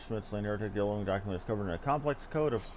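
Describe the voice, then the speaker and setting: A man's voice: on the low side, racing, background noise. A man playing through a video game, commenting and reading the on-screen text aloud as he goes. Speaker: game streamer.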